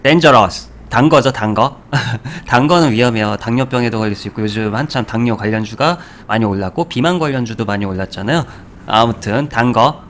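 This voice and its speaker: A man hosts a stock market video in a relaxed, chatty way. He walks through charts as he talks, tosses out rhetorical questions and little puns, and fills his pauses with small hesitations. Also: medium pitch. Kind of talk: casual explanatory talk over charts.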